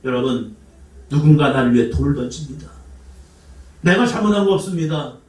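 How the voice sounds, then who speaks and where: A male pastor preaches with a fairly high voice that rings through a roomy church hall. He quizzes the congregation and plays out quoted voices with cries and sighs, and the mic picks him up from a distance. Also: expressive, brisk, a little mellow. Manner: asks the congregation questions. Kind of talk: sermon. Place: church sanctuary.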